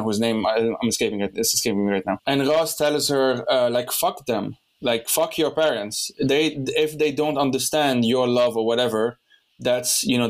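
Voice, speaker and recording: Young male podcast host from Lebanon, casual and meandering, mid pitch. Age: young adult. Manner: rambling, many restarts and fillers. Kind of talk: casual conversation.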